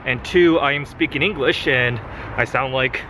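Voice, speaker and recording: A man's voice: medium pitch, moderate pace, pushed and bright, a little hiss or hum. A young American man narrating a casual car-spotting vlog as he walks, chatty and pointing things out. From United States. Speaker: car vlogger. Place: outdoors on city streets and in shops. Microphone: handheld camera mic.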